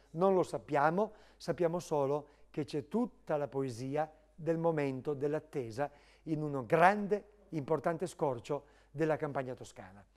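This man's pitch is fairly high, with ordinary variation. He speaks at a fairly slow pace with long, frequent pauses. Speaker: TV presenter for an auction house. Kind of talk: live TV art-sale presentation. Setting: live TV broadcast from the auction house showroom. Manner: effusive, gushing with superlatives.

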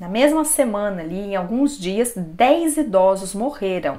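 Against a quiet background, a woman speaks very slowly with very wide pitch swings. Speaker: true crime channel host. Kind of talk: casual storytelling commentary. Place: home room. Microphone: lapel.

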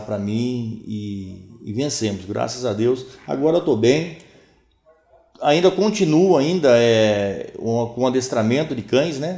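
In a quiet background with audible room echo, a man with a medium-pitched voice speaks at a fairly slow pace with lively intonation. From Santa Bárbara d'Oeste, interior of São Paulo state, Brazil; São Paulo state, Brazil. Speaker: retired municipal guard inspector; interview guest. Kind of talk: casual interview. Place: studio.

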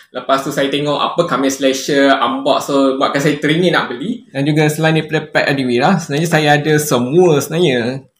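A man talks at a fairly quick pace with hardly any pauses, his pitch fairly high and his intonation fairly even. Audible room echo surrounds the recording. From Malaysia, Temerloh, Pahang; Malaysia. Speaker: vlogger. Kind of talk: casual chat. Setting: home kitchen. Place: home room. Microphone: phone near.

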